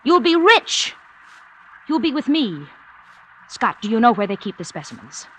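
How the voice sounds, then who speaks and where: A woman's voice: on the high side, sing-song, unhurried, fairly bright tone, breathy edge, full character voice, rough recording. An actress playing a coldly ambitious, seductive woman in a 1950s radio drama, talking in an insistent, coaxing way. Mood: scheming. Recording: old radio broadcast with faint hiss.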